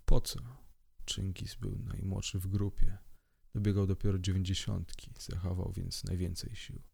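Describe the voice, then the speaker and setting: A man reading a horror story aloud in measured, scripted narration. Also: low-pitched, monotone, vocal fry, warm tone, slightly rough. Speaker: audiobook narrator.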